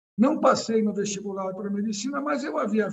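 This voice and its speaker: Fairly quick and high-pitched for a man, his voice moves with ordinary pitch variation. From São Paulo, Brazil. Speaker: lawyer and law professor. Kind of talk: interview.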